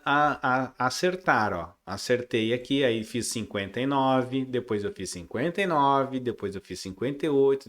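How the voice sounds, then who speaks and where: A man in an easygoing vlog, explaining his trading results in a mid-pitched voice. He restarts and repeats words as he goes. He often ends his points with a quick tag question. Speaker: day trader sharing his results.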